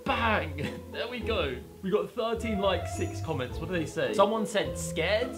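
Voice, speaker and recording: A young man narrating a casual prank vlog in a bedroom studio, cheekily reading posts in a slow mock-outraged voice. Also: high-pitched, lively intonation. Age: young adult. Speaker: YouTuber. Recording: background music.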